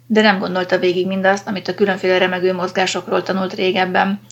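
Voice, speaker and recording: A woman narrating a science fiction story in a steady, measured audiobook reading. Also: lowish voice, muffled recording.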